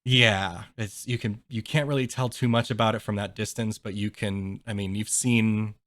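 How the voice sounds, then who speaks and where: A man's voice: fairly low pitch, fairly even intonation, normal speed, fairly bright tone, no room sound. A man narrating a tabletop game as game master in a casual, hesitant and explanatory way.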